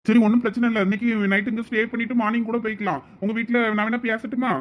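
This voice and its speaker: A man's voice: high-pitched, flat delivery, fast, lightly acted. A man voicing a flustered young village husband in a comic cartoon family drama, with a Thoothukudi Tamil accent and a pleading, coaxing manner. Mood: defensive. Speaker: cartoon voice actor.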